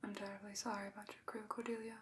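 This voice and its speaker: A woman voicing a wise, gently stern old sorceress in a soft, breathy ASMR fantasy roleplay, speaking in a measured, deliberate way. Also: medium pitch, level tone, lightly acted. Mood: wry, sympathetic.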